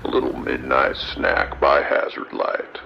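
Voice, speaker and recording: An actor playing a sinister, gleeful trucker with a morbid streak, taunting in a theatrical drawl over CB radio in a radio drama. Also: male voice, a bass voice, unhurried, vocal fry, dull audio, a little hiss or hum, heavily acted.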